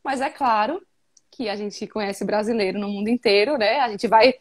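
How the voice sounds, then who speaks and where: A woman's voice: mid-range voice, moderate pace. A woman from Brazil in her thirties, talking casually and emphatically as an interview guest over a video call. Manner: chatty, emphatic, many fillers.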